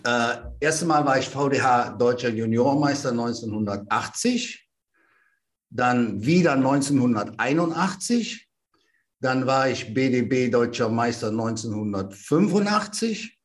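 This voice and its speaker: A German man in his sixties, a veteran bodybuilder telling anecdotes as a podcast guest in a lively, animated way. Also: medium pitch, a little slow. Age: 60s. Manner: lively storyteller who acts out sounds and quotes. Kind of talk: casual anecdotal storytelling.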